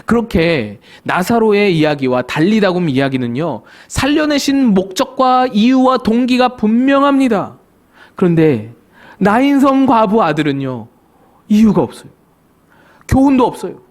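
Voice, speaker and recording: High-voiced man preaching with emphatic repetition. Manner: emphatic preaching, repeated short phrases and rhetorical questions. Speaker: pastor. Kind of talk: sermon. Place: church sanctuary.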